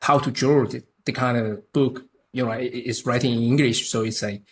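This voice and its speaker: A young man from Taiwan, a native Chinese speaker with a Taiwanese accent, chatting haltingly as a podcast guest with many restarts. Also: mid-range voice, fairly even intonation, a little hiss or hum. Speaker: podcast guest, concept artist. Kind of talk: casual interview chat.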